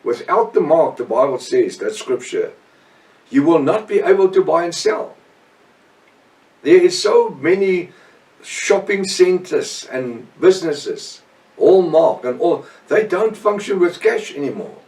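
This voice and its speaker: A middle-aged man with a South African Afrikaans accent teaches scripture in an earnest, emphatic way. His phrases are short and halting, often repeated for weight. He sounds a little away from the microphone, in a very echoey room. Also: on the high side, lively intonation, a little mellow, recorded from a distance. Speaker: preacher and Bible teacher. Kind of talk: extemporaneous Bible teaching sermon.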